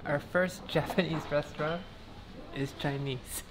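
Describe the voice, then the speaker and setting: A woman's voice: low-pitched, fairly even intonation, unhurried. A woman narrating a casual travel vlog on the go, upbeat and chatty, from airports, streets and a hotel room. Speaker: travel vlogger. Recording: noisy street ambience.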